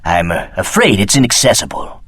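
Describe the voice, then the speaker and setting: A man voicing a solemn, apologetic village holy man in a fantasy video game, telling of his land in formal, measured phrases. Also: deep voice, sing-song, a bit bright, husky, no room sound, heavily acted. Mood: apologetic, flustered. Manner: formal, grave, measured storytelling.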